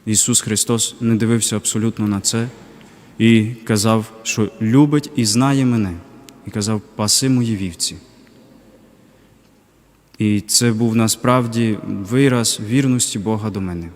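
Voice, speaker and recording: A young man, a deacon, giving a reflective personal faith testimony in a halting way, pausing often. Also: lowish voice, fairly even intonation, darkish tone, big-room sound. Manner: reflective, halting, with pauses and fillers. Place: cathedral parish.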